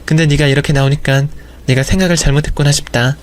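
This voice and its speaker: Guy doing an older mom, sorry and slow, talking kinda high. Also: fairly even intonation, lightly acted. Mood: regretful. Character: apologetic older mother-in-law, soft-spoken. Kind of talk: audio drama storytelling.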